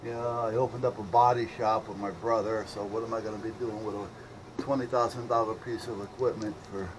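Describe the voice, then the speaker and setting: A man's voice: lowish voice, level tone, brisk, noisy background. A middle-aged or older man rambling casually and thinking aloud as he films an unscripted repair video. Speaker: electronics repair hobbyist showing his work.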